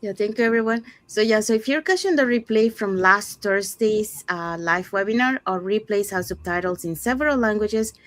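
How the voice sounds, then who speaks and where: A woman's voice: mid-range voice, normal speed, hardly any pauses, a bit bright, no echo. Woman host, dry close sound. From Panama. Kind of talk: scripted promotional talk.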